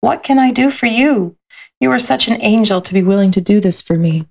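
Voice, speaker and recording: A woman reading aloud and voicing an eager, innocent young child soul who speaks in an excited, pleading way. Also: medium pitch, brisk, gravelly, pitched above the performer's own voice.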